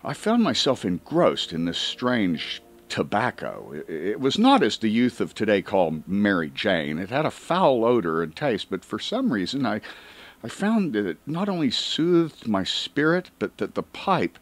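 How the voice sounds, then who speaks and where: A man reading a comic first-person story as an audiobook, with dramatic emphasis and drawn-out words. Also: fairly low pitch, wildly swooping pitch. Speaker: audiobook reader.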